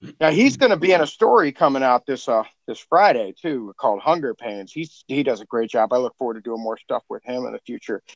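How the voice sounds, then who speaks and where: On a podcast, a man with a medium, animated voice talks fast and casually behind the scenes of a production, rambling with plenty of fillers while praising the cast. The recording is dry and lo-fi.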